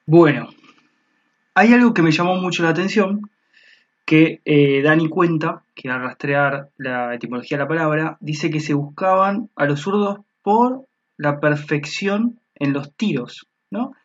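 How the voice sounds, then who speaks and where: A man with a slightly high voice explains a point in a casual way, often checking in with the listener. The recording sounds dull and lo-fi. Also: a little slow. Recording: dull lo-fi audio.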